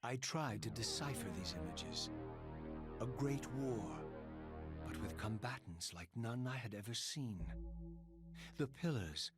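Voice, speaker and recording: Guy voicing undead wraith from a gothic video game, bitter and proud, formal measured sardonic delivery, music behind him. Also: medium pitch, lively intonation, natural voice. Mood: brooding, solemn. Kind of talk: theatrical gothic video game narration and dialogue.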